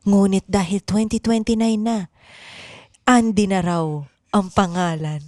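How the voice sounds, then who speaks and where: A woman's voice: mid-range voice, fairly even intonation, a little slow, warm tone, no echo, clean studio sound. A woman narrating an improvised comedy radio drama in a theatrical, suspenseful storytelling manner.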